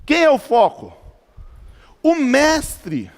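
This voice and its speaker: High-voiced Brazilian pastor in a reverberant church. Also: male voice, wildly swooping pitch, drawn-out words. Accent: Brazilian Portuguese. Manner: teaching with questions he answers himself; frequent fillers and restarts. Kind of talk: sermon. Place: church hall. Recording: church hall with long reverb.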